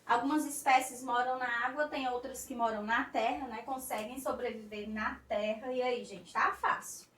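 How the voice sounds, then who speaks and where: A Brazilian woman teaching a recorded class for young children, in slow, coaxing, sing-song teacher talk. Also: on the high side, fairly even intonation, a bit bright, reverberant, recorded from a distance. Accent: Brazilian Portuguese.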